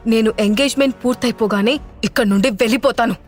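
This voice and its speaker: A woman's voice: on the high side, quick pace, soft background music, natural voice. A woman voicing a young mother who answers her family in a cold, curt way. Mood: cold defiant.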